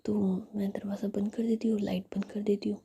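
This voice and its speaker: A woman voicing a gentle young newlywed woman, whispering softly and pleadingly. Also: medium pitch, little pitch movement, brisk, creaky, breathy edge. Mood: coaxing.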